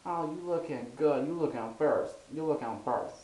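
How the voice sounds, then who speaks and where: A man doing a sassy, flamboyant gay guy who greets a friend in a high, drawling singsong. The voice sits in a roomy, echoey space with faint hiss behind it. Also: moderate pace, darkish tone, close to an everyday voice.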